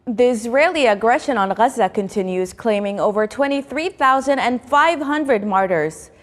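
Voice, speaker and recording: A woman's voice: on the high side, expressive, moderate pace, in a large hall. A woman news presenter reading a formal, scripted news bulletin.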